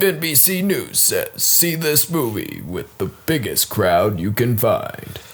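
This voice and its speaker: Putting on a character voice, a man talks at a fairly slow pace with music in the background. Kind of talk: formal promotional. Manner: mock-dramatic.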